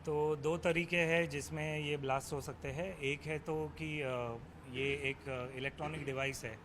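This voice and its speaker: A man with a somewhat high voice explains technical matters as an interview guest. He pauses and hesitates often and switches into English phrases mid-sentence. There is ambient noise behind him. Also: steady tone, a bit bright. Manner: halting, frequent hesitations, mixes in English phrases.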